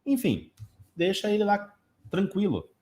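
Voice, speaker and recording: A man's voice: high-pitched, huge pitch swings, measured pace, dark tone. A man with a Brazilian Portuguese accent, an English teacher answering viewer questions in a casual live stream, explaining patiently with everyday examples.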